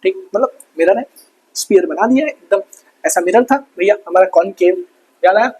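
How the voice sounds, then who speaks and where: A young male teacher with a high, husky voice runs an online lesson. He keeps firing each term back as a question and drops in playful asides between points. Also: normal speed, a little mellow, rough recording. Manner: repeats terms as quiz questions, joking asides.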